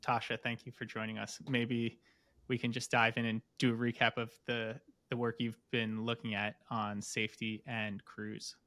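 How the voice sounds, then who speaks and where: Male podcast host, mid-pitched, introducing. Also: flat delivery, moderate pace, bright, forceful tone, dry recording.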